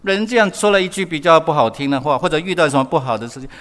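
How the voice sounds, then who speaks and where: A man's voice: on the high side, lively intonation, rapid-fire, fairly bright tone, big-room sound. An older man preaching a sermon, often asking the congregation questions and repeating words for emphasis. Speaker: pastor.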